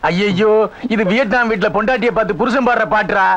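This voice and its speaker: An actor playing a blunt, hot-tempered brother-in-law who leads a gang of young boatmen in a film comedy. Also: male voice, high voice, fairly bright tone, dull audio. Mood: exasperated. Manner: blunt, quick to pick a fight.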